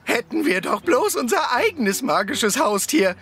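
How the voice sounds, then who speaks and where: A performer voicing a mischievous, gleeful bandit in a German children's cartoon, taunting and theatrical, over loud music. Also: sits high, big pitch swings, unhurried. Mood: scheming.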